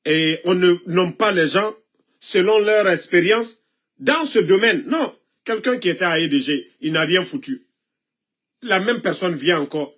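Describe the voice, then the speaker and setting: A high-pitched, slightly bright male voice rails through political commentary, asking pointed rhetorical questions and reprimanding. A cold makes him cough from time to time.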